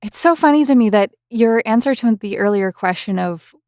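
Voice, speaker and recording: A woman's voice: on the high side, animated, moderate pace, a little mellow, no room sound, clean studio sound. A woman hosting a podcast interview in a courteous, conversational way.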